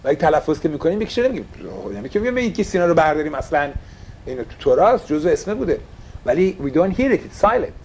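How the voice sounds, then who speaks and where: A man's voice: fairly high pitch, big pitch swings, darkish tone, a little hiss or hum. A man teaching a casual religious class, asking his listeners questions and slipping English phrases into his talk.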